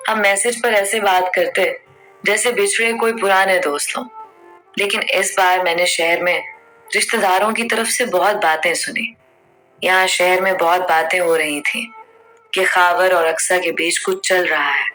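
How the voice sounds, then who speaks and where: A woman narrating a first-person love story in a soft, measured, heartfelt reading. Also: fairly low pitch, soft background music.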